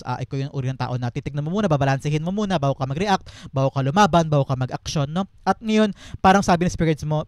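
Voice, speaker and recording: A man's voice: fairly high pitch, a little mellow, no echo. A man with a Filipino accent giving an earnest, emphatic tarot reading to camera, repeating words for stress. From Philippines. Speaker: tarot reader.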